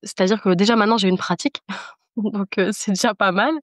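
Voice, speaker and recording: A woman's voice: mid-range voice, fairly even intonation, fairly quick, no echo, studio quality. A woman speaking as a podcast guest in casual conversation, giving an earnest, emphatic personal testimony and repeating phrases for emphasis.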